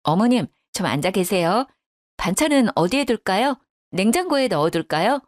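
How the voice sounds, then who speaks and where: A woman's voice: medium pitch, big pitch swings, normal speed, dry recording, clean studio sound, natural voice. A woman voicing a polite, dutiful young daughter-in-law who talks deferentially and protests sharply when provoked.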